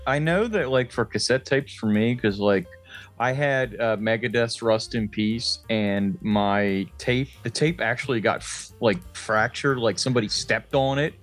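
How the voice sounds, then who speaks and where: A man co-hosting a comedy podcast in casual chat, laid-back, crude in his jokes and quick to laugh. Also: medium pitch, a bit bright, soft background music. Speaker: podcast co-host.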